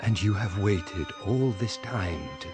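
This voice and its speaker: An actor playing a broken aristocratic father who speaks slowly and with icy sarcasm in a radio drama. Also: fairly low pitch, expressive. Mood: bitter. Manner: slow, icy, bitterly sarcastic. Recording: music score behind.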